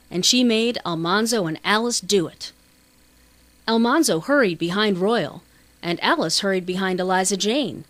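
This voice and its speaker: Female audiobook narrator, mid-pitched voice, scripted storybook read, close dry sound. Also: a bit bright, no echo.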